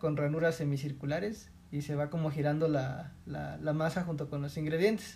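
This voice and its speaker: A man's fairly quick, fairly high-pitched speech in a plain, everyday voice. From Mexico, Oaxaca. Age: 30s. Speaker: podcast host. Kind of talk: casual chat.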